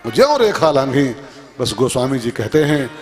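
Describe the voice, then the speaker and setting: A man's voice: medium pitch, big pitch swings, unhurried, soft background music. A man preaching as a Hindu storyteller, emphatic, repeating phrases and asking rhetorical questions. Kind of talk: musical scripture discourse with moral teaching.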